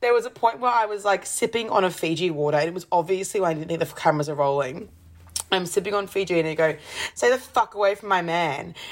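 Very fast speech comes from a woman with an Australian accent. She holds a medium pitch with ordinary variation. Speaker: reality TV personality. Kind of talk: casual chat. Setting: hotel room. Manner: dry, sarcastic tone.

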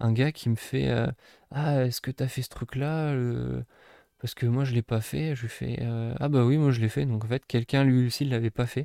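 A man speaks at medium pitch and a moderate pace, his tone dark and mellow and his intonation fairly even. The recording is very clean with a silent background and a dry, close sound with no echo. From France, Normandy. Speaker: PhD student and trail runner. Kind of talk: casual interview storytelling.

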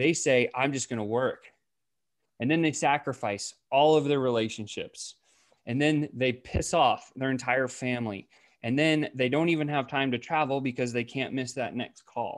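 Over a quiet background, a man with an American accent speaks in an energetic tone at a medium pitch. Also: moderate pace. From Colorado, US. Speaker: sales coach and entrepreneur. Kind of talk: casual interview chat.

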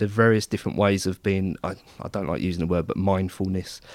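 A man's fairly low voice comes through on a very clean recording against a silent background. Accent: English. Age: 40s. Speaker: activist and podcaster. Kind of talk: casual chat.

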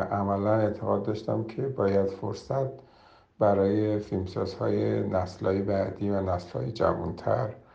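Audible room echo surrounds a man who talks at a fairly slow pace, his fairly low pitch showing ordinary variation. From Iran, Neyshabur. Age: 60s. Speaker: film director. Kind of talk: interview. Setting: phone call.

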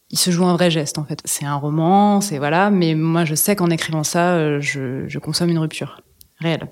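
Her pitch fairly low, a woman speaks at a moderate pace with fairly even intonation. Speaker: author, dancer and singer. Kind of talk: casual interview. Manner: halting.

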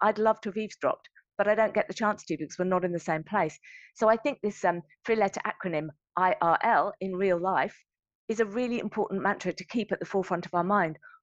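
Talking very fast at a medium pitch, a woman with a southern English accent sounds passionate, her pitch varying in an ordinary way, in a dry, close sound with no echo and a quiet background. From England (Brighton/London). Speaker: urban planning consultant. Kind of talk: interview conversation. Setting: remote call. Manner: passionate, articulate.

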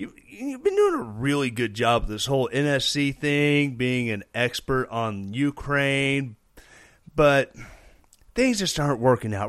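In an ordinary speaking voice, a man talks at a fairly slow pace with fairly high pitch and lively intonation. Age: 30s. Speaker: political podcast host, infantry veteran. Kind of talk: casual political commentary. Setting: live online stream.

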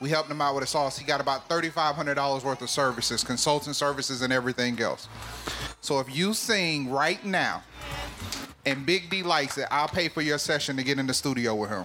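With noticeable background noise, a man talks in a fairly high pitch and with ordinary pitch variation. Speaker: live event host. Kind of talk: casual live interview with audience interaction. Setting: live venue with audience.

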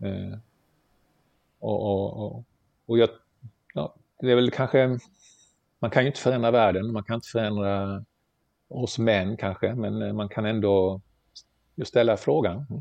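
Long, frequent pauses and ordinary pitch variation. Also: man, fairly low pitch for a man, fairly slow pace. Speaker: retired aid official and whistleblower. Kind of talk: interview. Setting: video call.

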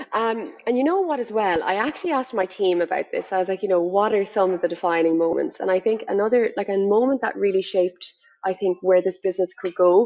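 With a Limerick accent, a woman speaks very fast at a medium pitch, using ordinary pitch variation and hardly any pauses. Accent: Irish (Limerick). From Ireland, Limerick. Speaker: digital marketing agency founder. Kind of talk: interview.

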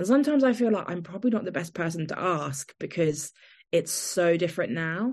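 Speaking at a fairly quick pace with an English accent, a woman uses a fairly low pitch that moves through very wide pitch swings. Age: 30s. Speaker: beauty journalist. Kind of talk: casual chat.

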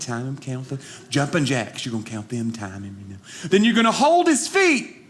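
This man talks at a fairly quick pace and medium pitch in a normal speaking voice. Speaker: comedian. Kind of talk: stand-up comedy, self-deprecating childhood storytelling. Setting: stage with audience. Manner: playful, conspiratorial crowd banter; punchy, rhythmic repetition for laughs.

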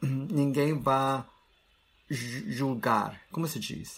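A man with a non-native accent speaks at a very slow pace. His pitch is medium, and its variation is ordinary. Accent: non-native Portuguese speaker, learner. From United States. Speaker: education researcher, math teacher trainer. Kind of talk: interview conversation. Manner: halting, hesitant.

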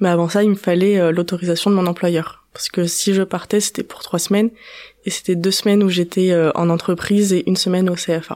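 A woman talks at a fairly quick pace and medium pitch. Her tone is dark and mellow, her intonation monotone and flat. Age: 20s. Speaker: hospitality apprentice. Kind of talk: testimony.

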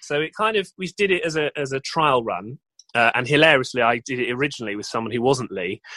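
At a very fast pace, a man of medium pitch speaks with lively intonation, recorded dry and close with no echo. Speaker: superfan guest. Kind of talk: casual chat.

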